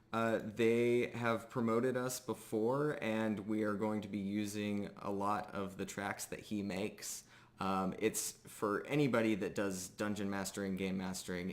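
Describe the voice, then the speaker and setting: A man hosting a roleplay stream as game master, chatting casually and informally with halting announcements. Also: on the low side. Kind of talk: casual chat introducing a live roleplay stream.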